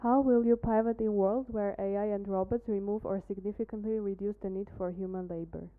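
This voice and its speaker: A woman's voice: mid-range voice, steady tone, a little fast. A woman moderating a Q&A session, plainly reading out questions to a presenter. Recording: phone-like narrow band.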